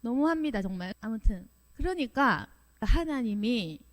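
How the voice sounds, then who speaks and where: A woman pastor delivers a sermon in a high voice that swings widely up and down. She speaks emphatically and addresses her listeners directly. She slips into quoted dialogue, changing her voice for each speaker. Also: expressive, unhurried. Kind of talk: sermon at a Friday prayer meeting.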